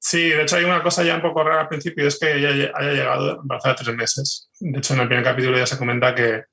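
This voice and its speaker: Male interview guest, creaky voice at an average pitch, conversational, halting as he explains. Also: level tone, sharp tone. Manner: halting, repeats word starts. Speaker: fiction podcast writer, interview guest. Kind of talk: casual interview chat.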